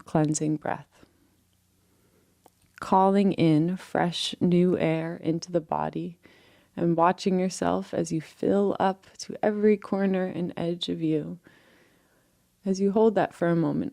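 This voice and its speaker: A woman leading a guided relaxation in a gentle, unhurried, permissive manner, as a meditation guide. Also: on the low side, vocal fry, no room sound, studio quality.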